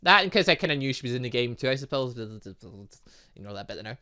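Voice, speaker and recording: A man hosts a video game playthrough with a bright, forward voice. His pitch jumps around in a very lively way. He rambles playfully and breaks into exclamatory asides as he comments. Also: a little fast. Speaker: gaming channel host. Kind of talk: excitable let's-play commentary, reading dialogue aloud.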